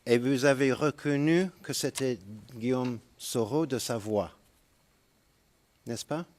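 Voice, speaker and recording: A man cross-examines a witness in a courtroom. He speaks very slowly and deliberately, pressing leading questions. His voice sits in a middle register. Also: medium pitch, a little mellow.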